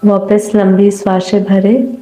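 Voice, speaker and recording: A woman guiding a meditation in a soothing, unhurried manner with long pauses. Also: mid-range voice, monotone, mellow. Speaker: meditation guide. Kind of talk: guided meditation, slow calm instruction. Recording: roomy echo. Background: faint music.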